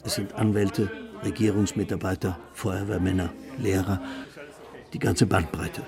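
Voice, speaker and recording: Male reporter, scripted narration, low gravelly voice, folk music underneath. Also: steady tone, a little slow, over a noisy crowd.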